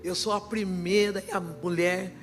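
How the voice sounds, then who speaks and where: A woman pastor preaching a sermon with passion, often swelling into shouts. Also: lowish voice, fairly even intonation, normal speed, faint music behind.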